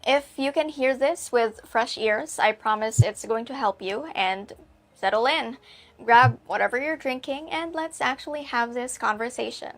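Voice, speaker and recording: Woman from the philippines doing a scripted advice video, higher voice, direct and measured. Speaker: video channel host.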